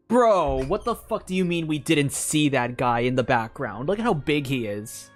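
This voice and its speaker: A woman's voice: deep voice, lively intonation, unhurried. A woman giving casual live gameplay commentary as a streamer, exclaiming and swearing freely. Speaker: game streamer. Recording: faint game music behind.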